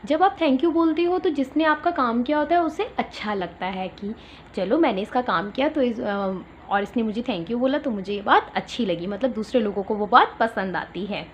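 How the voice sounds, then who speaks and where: An Indian woman teaching young children in an online class, slowly explaining each English phrase in Hindi in a coaxing way. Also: high voice. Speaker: primary school teacher. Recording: dull lo-fi home recording with faint noise.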